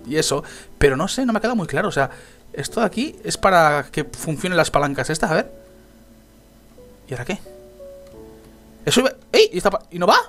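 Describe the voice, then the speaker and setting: A young man talks his way through a game, excitable and quick to yelp or laugh. His voice sits high and swings widely in pitch. Faint music plays under him. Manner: excitable, yelps and laughs at falls. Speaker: Minecraft let's player. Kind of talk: gameplay commentary.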